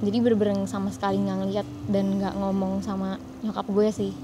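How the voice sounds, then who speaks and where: A woman's voice: medium pitch, monotone, fairly quick. A woman, a student, recounting events in a candid, conversational way. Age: 20s. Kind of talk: casual conversation. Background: music.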